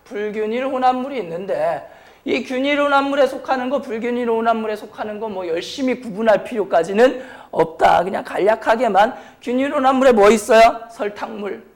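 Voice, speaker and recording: A male high school science teacher delivers a chemistry lecture in a notably high, brisk voice that sounds sore and strained. Blunt and informal, he steers the explanation by repeatedly prompting his students with questions.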